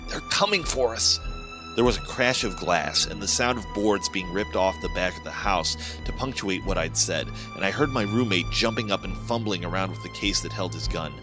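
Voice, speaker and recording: A man's voice: deep voice, moderate pace, few pauses, over music. A man reading a scripted horror story as a dramatic first-person narrator.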